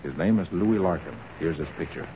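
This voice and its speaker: A man playing a confident, authoritative private detective with an American accent in a brisk 1940s radio crime drama style. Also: low-pitched, lightly acted. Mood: brisk, purposeful. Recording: scratchy, narrow-band 1940s radio recording.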